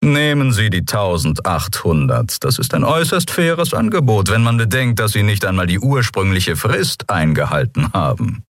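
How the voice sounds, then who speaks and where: A smug, cold businessman, voiced by a male narrator, speaking down to others in smooth, condescending phrases. The voice is husky and set a little above the narrator's own. The sound is dry and close. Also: fairly low pitch, big pitch swings, moderate pace, hardly any pauses, no room sound, voice pushed up.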